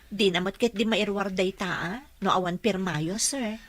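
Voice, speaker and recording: A woman's voice: medium pitch, normal speed, close to an everyday voice. An actress in an Ilocano radio drama playing an earnest, deferential female caregiver. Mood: earnest, concerned.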